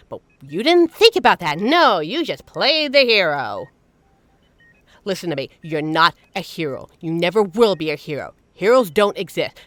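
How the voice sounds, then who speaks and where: A woman's voice: medium pitch, fairly bright tone, dry recording. A woman playing a fiercely protective secret agent in an emotional, emphatic dramatic audio roleplay. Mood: harsh, bitter. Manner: emotional, scolding, emphatic, swearing. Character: normally suave female secret agent, fiercely protective, angry and anguished. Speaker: voice actor in a scripted audio roleplay.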